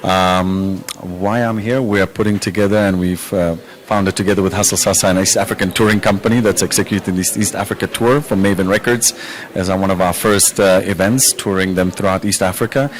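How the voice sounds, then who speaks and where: A man from the Czech Republic, a music manager, answering interview questions in a relaxed, thoughtful way with frequent fillers. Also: low voice, fairly quick.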